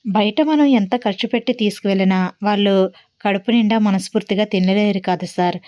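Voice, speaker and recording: A woman voicing a caring young woman who talks gently and teases playfully, in a dull, dry recording. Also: mid-range voice, a little fast, no echo, lightly acted. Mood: earnest. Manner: gentle, persuasive, playfully teasing.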